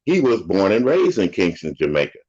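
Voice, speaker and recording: A man's voice: low-pitched, wildly swooping pitch, fairly quick, a little mellow. An older man in casual conversation, an opinionated, rambling storyteller from the United States. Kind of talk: casual chat. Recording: dull lo-fi audio.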